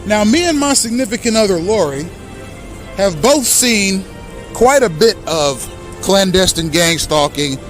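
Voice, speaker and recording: A man in his thirties, a native English speaker, hosting an impassioned direct-address monologue with accusatory, emphatic speech and slow deliberate stresses. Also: high-pitched, expressive, fairly bright tone, faint music behind. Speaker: host.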